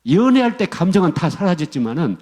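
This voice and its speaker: A middle-aged man preaching with a lively, swinging delivery and a mellow, slightly husky tone. He presses his points through repetition and keeps calling out to his congregation. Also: high-pitched, fast. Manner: emphatic, repetitive preaching with direct address to the congregation. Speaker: pastor. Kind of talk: sermon.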